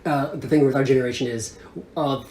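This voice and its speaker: A man of thirty telling stories in a casual chat with his father, animated and lively. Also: brisk. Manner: animated storyteller, lively pitch. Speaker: son talking with his father. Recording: echoey room with faint noise.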